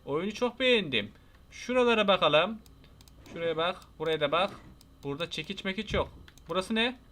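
A young man with a Turkish accent gives casual let's-play commentary, talking straight to his viewers. His voice sits high and sounds bright and forward. He jumps into excitable yelps when something startles him. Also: normal speed, slight background noise. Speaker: gaming YouTuber.

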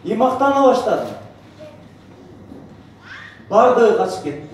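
A man's voice: high voice, big pitch swings, measured pace. A middle-aged man with a Central Asian accent giving an emphatic, boastful motivational presentation full of rhetorical questions. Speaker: network marketing speaker, senior manager. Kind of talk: motivational presentation, mixing two languages. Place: on stage in a large hotel banquet hall. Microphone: far camera in the audience area. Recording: echoey hotel hall, distant, noisy.

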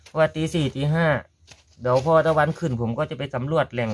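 A man's voice: a little high, fast talker, a little mellow. A man with a Korat Thai accent, talking viewers through a gardening task in a casual how-to vlog and addressing them as brothers and sisters. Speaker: gardening vlogger.

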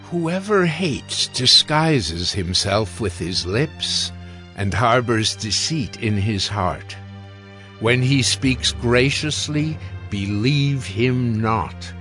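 A man reads scripture as a dramatized audio narration. His voice sits at an average pitch and moves slowly, with emphatic phrasing and deliberate pauses. Music plays softly behind him. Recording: music bed under the voice.

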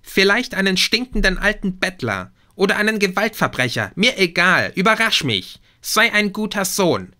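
A man's voice: high-pitched, big pitch swings, moderate pace, few pauses, sharp tone, voice pushed up, exaggerated voice. A man putting on a shrieking vain goddess. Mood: shrill outrage. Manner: shrieking, bossy. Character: furious vain goddess mother, shrill.

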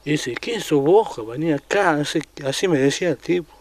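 A man with an Argentine accent recounting events in a casual interview at home, halting and full of restarts. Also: a little high, lively intonation, no room sound. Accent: Argentine Spanish. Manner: halting, many restarts and repeated words. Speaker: traffic agent interviewed.

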